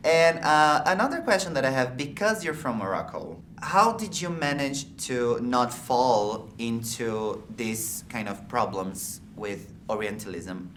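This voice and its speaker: A woman from Brazil, asking interview questions in a quick, chatty way. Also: a bass voice, lively intonation, fairly bright tone, a little hiss or hum. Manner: chatty, quick, laughs often.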